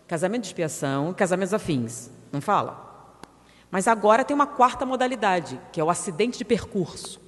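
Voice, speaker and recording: A woman giving a public spiritist lecture, firing rhetorical questions at the audience and acting out their objections. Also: mid-range voice. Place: lecture hall of a spiritist center. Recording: reverberant lecture hall.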